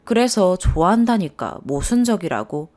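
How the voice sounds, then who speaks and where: A woman's voice: lowish voice, sing-song, normal speed, darkish tone, faint music behind. A woman reading a submitted first-person story aloud as scripted narration. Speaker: story reader.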